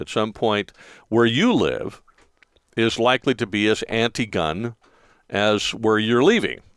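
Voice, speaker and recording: A man at a medium pitch, a dry, close sound with no echo, in a very clean recording with a silent background. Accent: American. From US West Coast, San Diego, California. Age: 60s. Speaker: podcast host, firearms trainer. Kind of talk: solo podcast monologue. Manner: conversational, rambling with fillers.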